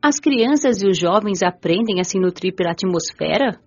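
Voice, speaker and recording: An actress playing a gentle, curious young woman spirit who narrates her afterlife in a measured, earnest radio drama style. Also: medium pitch, animated. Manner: measured, earnest, careful storytelling. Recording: muffled audio with music underneath.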